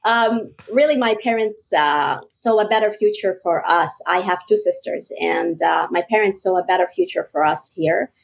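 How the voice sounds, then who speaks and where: A woman in her forties from Egypt, raised in Kuwait, speaking as an interview guest in a measured, thoughtful way. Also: lowish voice, creaky. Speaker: guest, real estate broker. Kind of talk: interview conversation.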